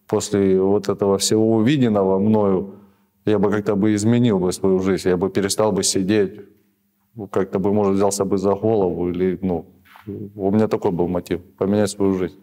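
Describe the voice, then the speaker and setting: Man, 30s, interviewee: hesitant, rambling, many restarts, dark low voice, lapel mic in a small office. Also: flat delivery, normal speed. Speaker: prisoner of war being interviewed. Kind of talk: halting conversational answers.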